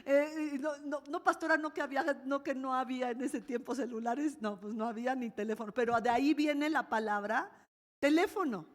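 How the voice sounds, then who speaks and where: A woman pastor with a Mexican accent preaching a sermon, lively, with laughing asides and sudden exclamations. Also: high-pitched, moderate pace. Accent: Mexican Spanish. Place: church hall. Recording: long hall reverb.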